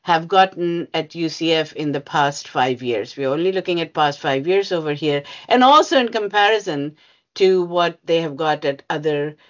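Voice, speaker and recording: Speaking at a normal pace in a low-sitting voice, a union bargaining representative presents slides over a video call to a bargaining meeting. She's hesitant, with many fillers, and the sound is lo-fi.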